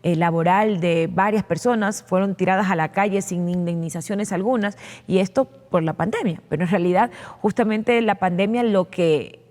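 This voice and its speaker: A woman's voice: mid-range voice, moderate pace, a little mellow. Woman legislator, reverberant studio. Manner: earnest explaining with frequent "eh" fillers and repeated words. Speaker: legislator being interviewed. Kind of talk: televised political interview. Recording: long reverb.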